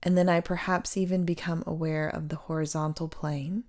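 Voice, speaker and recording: A woman speaking as a meditation guide, giving gentle, hushed spiritual instruction with pauses. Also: low-pitched, level tone. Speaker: meditation guide and sound healer.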